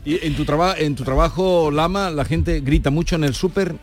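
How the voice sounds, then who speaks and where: A man's voice: a little high, normal speed. A man hosting a radio talk show, putting teasing questions to guests in a studio. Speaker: radio host.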